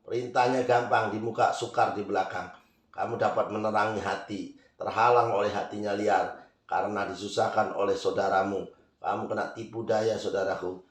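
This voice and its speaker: Low-voiced man reciting fortunes, echoey room. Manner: addresses listener as brother, list-like recitation; ends with a chanted Arabic prayer. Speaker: zodiac fortune teller. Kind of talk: fortune-telling monologue.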